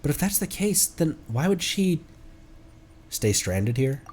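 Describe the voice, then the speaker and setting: A man voicing a gentle, curious village girl in a sincere, questioning way. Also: fairly high pitch, big pitch swings, unhurried, a little hiss or hum.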